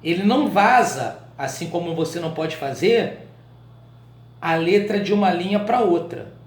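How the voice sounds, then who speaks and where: A Brazilian man with a high-pitched voice and a Brazilian Portuguese accent teaches a live writing class at normal speed. His explaining is colloquial and animated, and he often checks in with students through short questions. The room sounds echoey.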